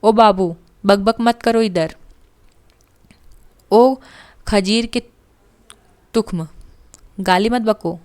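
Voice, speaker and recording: A woman voicing a gruff male traveler holding prayer beads who speaks in rough, broken sentences and makes threats. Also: mid-range voice, extremely slow, long pauses, a little mellow. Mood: gruff threatening.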